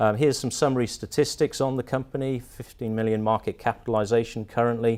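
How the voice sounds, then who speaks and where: A man's medium-pitched voice in a British accent, very fast and monotone, with hardly any pauses. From UK. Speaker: mining company director and geologist. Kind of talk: investor presentation. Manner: hesitant, many fillers.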